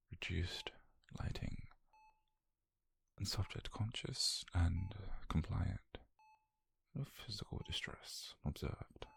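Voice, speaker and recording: This British man's whisper is a breathy, gravelly low murmur, exaggerated for an ASMR roleplay. Cast as a detached, clinical scientist, he murmurs notes about a captive subject in a measured, softly controlling way.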